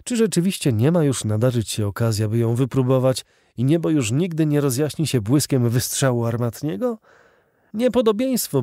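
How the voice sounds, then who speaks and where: A man's voice: medium pitch, warm tone, dry recording, studio quality, pitched above the performer's own voice, close to an everyday voice. A man reading the lines of an indignant old male artillery veteran in a fervent, declamatory audiobook voice.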